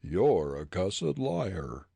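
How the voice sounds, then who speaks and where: A man voicing a severed dead man's head that talks, in a deep, hoarse, slow, mocking voice. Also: very animated, warm tone, no echo, heavily acted. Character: talking severed head of a dead smuggler, male.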